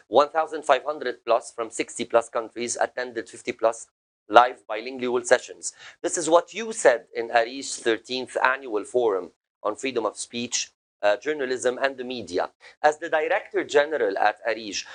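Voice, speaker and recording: Male panel moderator, mid voice, reads a prepared intro, then asks with slight hesitation. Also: mid-range voice. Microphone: video call.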